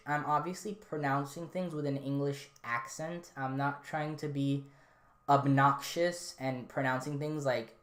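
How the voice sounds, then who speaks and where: A man hosting a podcast, chatting casually and answering a live chat, rambling with frequent ums and restarts. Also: fairly high pitch. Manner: relaxed, rambling, many fillers and restarts. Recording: roomy echo.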